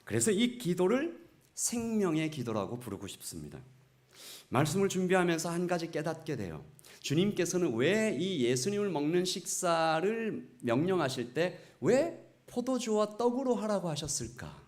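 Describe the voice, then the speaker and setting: A middle-aged man preaching a sermon, telling stories with strong feeling, dropping to a hush and then rising loud, and asking the congregation questions. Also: high-pitched, big pitch swings, normal speed. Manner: emotive storytelling, swinging from hushed to loud. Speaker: pastor.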